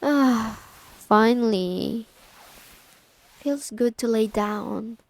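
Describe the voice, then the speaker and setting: A woman's voice: a little high, drawn-out words, a little mellow. A young woman playing a friend's teasing, bossy older sister in an intimate ASMR audio roleplay, casual and lightly exasperated. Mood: weary, grumbling.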